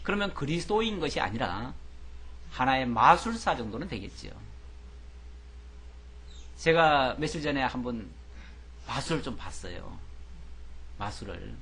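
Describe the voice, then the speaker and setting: Lively, husky-voiced male pastor preaching. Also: medium pitch, measured pace, long pauses. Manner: animated, conversational preaching with rhetorical questions; tells anecdotes to illustrate points. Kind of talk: expository Bible sermon.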